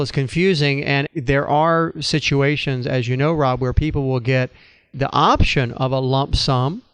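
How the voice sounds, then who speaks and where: Male host, measured and thoughtful, crisp dry voice. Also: medium pitch, no room sound. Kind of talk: conversational interview on retirement finance.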